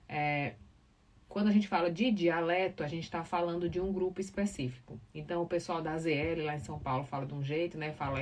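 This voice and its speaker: Distant-sounding, low-voiced Northeastern Brazilian woman. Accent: Northeastern Brazilian, from Ceará. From Ceará, northeastern Brazil. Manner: didactic, emphatic on key words. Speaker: live podcast host, communication professional. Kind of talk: informal explanatory talk to live viewers. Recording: distant mic, clear background noise.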